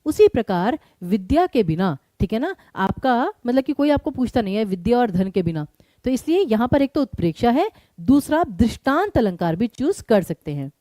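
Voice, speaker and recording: A woman teacher leads an online exam-prep class, firing quick questions at her students and then walking through each answer. Her fairly high voice rises and falls with animation. Her tone is mellow and warm, recorded close and dry. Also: sing-song, no room sound. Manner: quizzes students and explains briskly.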